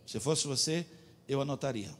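A man preaching a sermon as pastor, telling a story and pressing his points with emphatic, loud appeals. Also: medium pitch, expressive, moderate pace.

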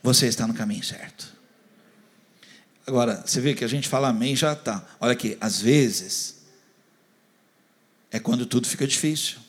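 A man preaching a sermon who swings between loud, animated urging and soft, close appeals, often putting questions to the congregation. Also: medium pitch, moderate pace, long pauses. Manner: addresses the congregation directly, asking questions.

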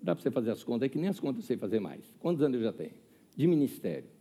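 A man's voice: mid-range voice, very animated, rapid-fire, dark tone, breathy edge, long reverb tail. A man in his fifties preaching a sermon, chatty and humorous, often asking the audience questions and telling a personal story. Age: 50s. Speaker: pastor.

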